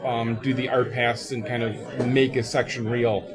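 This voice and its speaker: A man's voice: mid-range voice, flat delivery, unhurried, over music. A man giving a casual, tongue-in-cheek interview as a game developer, recorded in an echoey hallway. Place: open convention hallway at a game table. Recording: echoey hallway with crowd chatter. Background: crowd noise from a convention.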